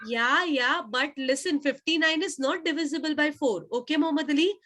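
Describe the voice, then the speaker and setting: A woman's voice: high-pitched, brisk, a bit bright. A woman with a South Asian accent teaching an interactive maths lesson online, repeating her questions insistently to pupils.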